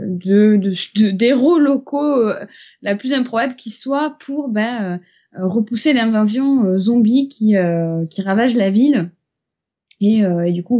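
A woman's voice: mid-range voice, dark tone. A woman co-hosting a podcast, chatting playfully with lots of fillers. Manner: playful, filler-heavy recommending. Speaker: podcast co-host. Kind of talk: casual chat. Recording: slightly dull lo-fi sound.

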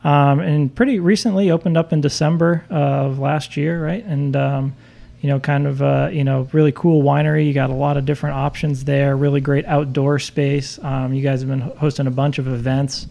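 A man's voice: medium pitch, level tone, moderate pace, vocal fry, warm tone. A man co-hosting a local food podcast, rambling a bit with lots of "you know" as he talks. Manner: rambling, many fillers and restarts. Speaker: podcast co-host. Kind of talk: casual podcast chat.

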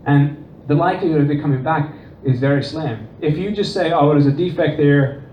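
A man from the Netherlands and England with a Dutch-English accent, giving a lively conference talk and acting out quoted people in a raised voice. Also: on the high side, fairly quick, a little hiss or hum. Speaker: conference presenter. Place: conference hall. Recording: echoey hall from far off, dull sound.

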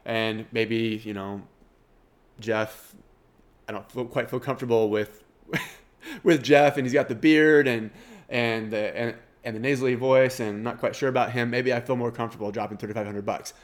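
A man's voice: mid-range voice, moderate pace. Middle-aged male podcast host, Kansas twang, nasal tone, casual rambling and self-deprecating delivery.

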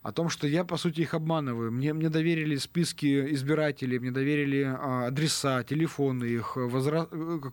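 A man's voice: on the high side, fairly even intonation, brisk, few pauses, dry recording. A middle-aged man, a radio correspondent, telling his story in casual studio conversation, hesitating often with fillers and restarts.

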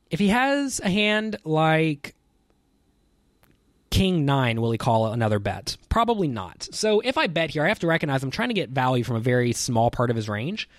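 A man's voice: medium pitch, no room sound, studio quality. A man giving instructional poker commentary as a coach and host, analytical and explanatory, posing questions and answering them.

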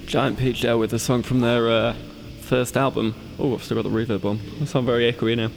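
A man's voice: mid-range voice, flat delivery, brisk, gravelly, soft background music. A man hosting a radio interview, talking casually with some hesitation, with echoey reverb on his voice. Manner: hesitant, with many fillers. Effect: reverb echo on the mic. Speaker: radio host interviewing a musician.

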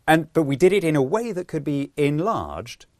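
On a podcast, a British-accented politician originally from Peru and now living in England tells stories vividly, acting out what people said and restarting frequently. His voice is fairly high-pitched and moderately paced, with no room sound.

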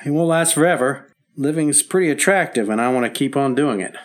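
An actor playing a husband laid up in hospital, joking wryly and faltering now and then, in a 1950s radio play. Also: male voice, medium pitch, lightly acted. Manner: wry, joking, halting when upset. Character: recovering husband, wry and stubborn. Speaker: hospital patient.

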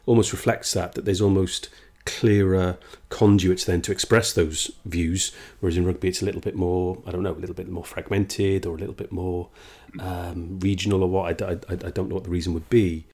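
Low-voiced guy asking questions, kinda hesitant, repeats himself. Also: little pitch movement, a little fast, few pauses, a little mellow. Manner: reflective, hesitant, with repetitions. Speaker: interviewer. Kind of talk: conversational interview.

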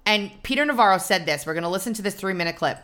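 A woman hosting a podcast, her voice hoarse and scratchy, telling stories in a lively, animated way. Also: medium pitch, rapid-fire. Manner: animated storyteller. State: hoarse from screaming. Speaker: podcast host. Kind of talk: casual chat.

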